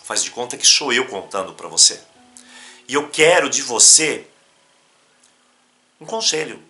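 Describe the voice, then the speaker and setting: Animated Brazilian man teaching over music. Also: medium pitch, measured pace. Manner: animated, emphatic, breaks into demonstrations. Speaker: self-help teacher. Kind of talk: instructional talk to camera.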